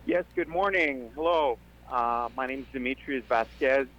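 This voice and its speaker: A man from Greece calling in to a radio show, talking earnestly with many pauses. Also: medium pitch, a bit bright. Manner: earnest, with many ums, speeds up when joking. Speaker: caller. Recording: dull lo-fi phone line.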